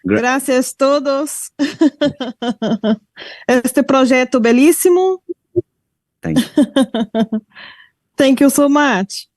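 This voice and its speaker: A woman whose first language is Portuguese, joining a video call and speaking halting, broken English with lots of giggling. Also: sits high, darkish tone, no echo. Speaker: call participant.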